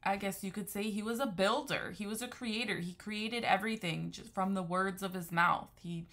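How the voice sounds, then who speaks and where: A woman from the New Haven, Connecticut area in the USA, a Christian commentator, gives an unscripted religious monologue. Her mid-range voice has a fairly bright tone and moderate pace, and she is earnest and discursive, often restarting her sentences.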